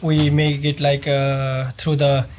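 A sous chef from Nepal explaining upcoming events, hesitant with many fillers. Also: male voice, a little high, monotone, takes it slowly, a little mellow, slight background noise. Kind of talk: interview answers.

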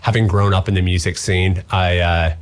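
A man's voice: deep voice, fairly even intonation, normal speed. A man in his forties with a Canadian accent, chatting easily as a radio guest and rambling through his answers. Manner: easygoing, rambling with frequent "uh" and restarts. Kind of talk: relaxed interview chat. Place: radio studio.

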